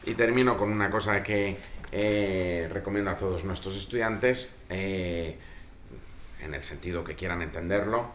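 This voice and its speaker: A man moderating a discussion in an informal, halting, hesitant way. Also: deep voice, fairly bright tone. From not from Mexico. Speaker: host, moderator. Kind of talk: informal closing remarks to an audience. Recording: echoey room with audience noise.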